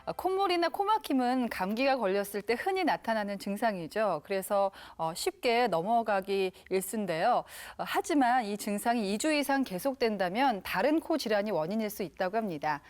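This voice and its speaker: A woman's voice: medium pitch, expressive, moderate pace, few pauses. A woman announcer hosting a broadcast health talk show, polished and attentive, with frequent brief acknowledgments. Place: TV studio.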